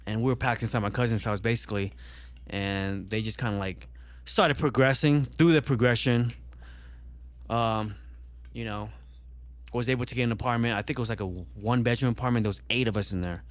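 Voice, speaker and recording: Young man, smooth voice, dry close sound, loose rambling podcast chat. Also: mid-range voice, steady tone, a little fast, no room sound. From Vietnam. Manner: rambling, many fillers and restarts. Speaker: podcast guest. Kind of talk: casual podcast conversation.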